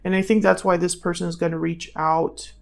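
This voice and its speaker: A woman giving a casual tarot reading, thinking aloud and speaking straight to the listener in a conversational way, with gravelly vocal fry. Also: lowish voice, little pitch movement, brisk, a little mellow. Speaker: tarot reader, channel host.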